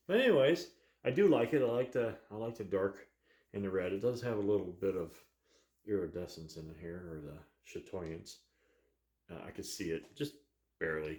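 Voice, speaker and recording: A man hosting a woodturning vlog, chatting casually in a relaxed, rambling way with frequent chuckles. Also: on the low side, echoey room. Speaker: woodturning channel host. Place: barn workshop.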